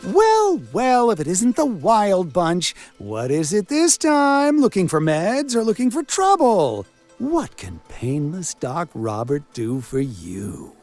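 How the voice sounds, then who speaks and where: A man's voice: high-pitched, wildly swooping pitch, takes it slowly, a little mellow, heavily acted. A sarcastic country coroner in a video game, who fancies himself a man of science. His delivery is theatrical and full of wisecracks, swooping up and down constantly over background music. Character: sarcastic village doctor and coroner, self-styled man of science. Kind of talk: video game character acting.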